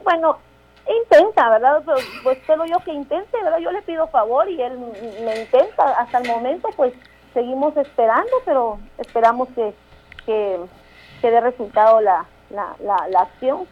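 A Guatemalan woman in her thirties, a town mayor speaking as a radio interview guest, halting with restarts and tag questions. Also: sits high, highs cut off. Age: 30s.

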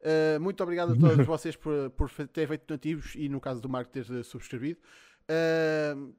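A man's voice: a little high, steady tone, a little fast, darkish tone. A man with a European Portuguese accent hosting a livestream in a casual, sweary chat style. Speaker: livestream host.

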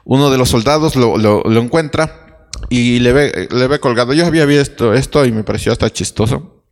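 A man's voice: mid-range voice, moderate pace, darkish tone. Man preaching in a reverberant hall. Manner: storytelling, many restarts and rhetorical questions. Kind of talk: sermon.

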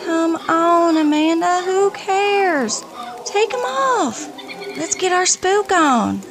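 A woman's voice: very high voice, animated, takes it slowly, heavily acted. A woman playing a bubbly, teasing young party-loving best friend in an audio drama, coaxing and playful. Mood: excited. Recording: loud music bed behind the voice.

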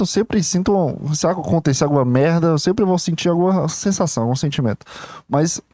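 Young man, solo podcast host, rambling and confessional, many restarts, slightly high, mellow tone, dry close recording. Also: no room sound. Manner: candid, self-reflective and confiding.

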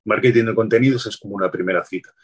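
A man speaking as an interview guest, explaining marketing tips in a relaxed, advice-giving way, often restarting his phrases. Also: fairly low pitch, racing, a crowd in the background. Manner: explanatory, many restarts and "pues". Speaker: guest, LinkedIn sales consultant.

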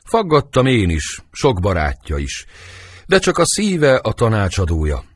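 A man's voice: on the low side, wildly swooping pitch, slightly rough, no room sound, exaggerated voice. Montague, worried father, read by a man. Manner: measured, troubled verse speech. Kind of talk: audiobook reading of a verse play.

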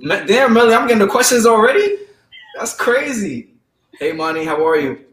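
A man's voice: high-pitched, expressive, moderate pace, crowd noise. Brash young man on a roomy video call. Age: late 20s.

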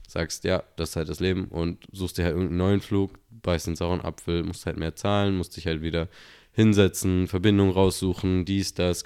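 A young man hosting his own podcast, telling a story in a relaxed, slangy, rambling way with many fillers. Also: deep voice, clear, resonant tone. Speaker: podcast host. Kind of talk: casual solo podcast storytelling.

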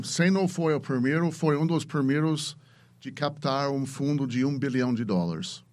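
A man with an American accent, a native English speaker, talking casually as a podcast guest and searching for words in his second language. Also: mid-range voice. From United States. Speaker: podcast guest, venture capitalist.

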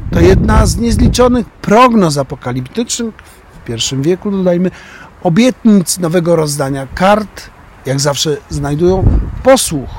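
A man's voice: sits high, noisy background. An older man reading his opinion column on the radio, stressing key words with emphasis.

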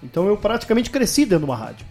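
A man in his thirties from northern Paraná talks through his life as a podcast guest, in a slightly high voice. He speaks in easy, rambling sentences and keeps checking in with a quick question tag. Faint music plays behind him. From northern Paraná, Brazil. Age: 30s. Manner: relaxed storytelling with many tag questions. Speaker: guest, radio sports commentator. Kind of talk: casual podcast interview.

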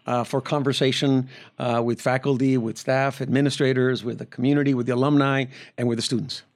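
A man from Venezuela, a professor being interviewed, who explains at length in a measured way with many hesitations and restarts. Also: medium pitch, flat delivery, darkish tone. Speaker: guest professor. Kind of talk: conversational interview answers.

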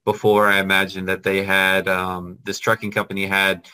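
Man, business host, lowish voice, bright forceful tone, chatty and friendly. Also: completely flat delivery, normal speed, clean tone. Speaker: business consultant and channel host. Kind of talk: casual video call, then talking to camera.

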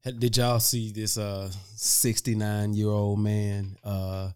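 A man's voice: on the low side, level tone, takes it slowly, clean tone. A man co-hosting a podcast, talking in informal, slangy banter with an amused manner. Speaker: podcast co-host. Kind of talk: casual banter.

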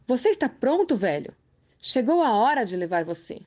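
A woman voicing Death as an ugly skull-faced female figure in a storybook tale, stern and shrill. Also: very animated, normal speed, darkish tone. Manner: stern, then shrieking in despair.

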